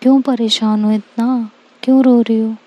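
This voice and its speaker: A woman's voice: fairly high pitch, little pitch movement, normal speed, lo-fi sound, close to an everyday voice. A woman voicing a practical teenage girl friend who talks in a chiding, matter-of-fact way.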